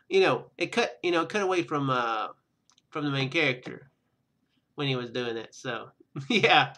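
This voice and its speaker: A man's voice: medium pitch, expressive, moderate pace, long pauses, bright, forceful tone. A man hosting a let's play with casual, rambling, joking commentary.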